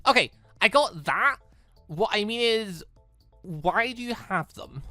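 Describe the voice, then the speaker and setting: A man's voice: sits high, lively intonation, takes it slowly, bright, forceful tone, no echo, faint music behind, pitched above the performer's own voice, exaggerated voice. A man voicing a sceptical, mildly exasperated newcomer student in a visual novel. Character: sceptical, questioning newcomer student being shown around. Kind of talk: visual novel dialogue read aloud.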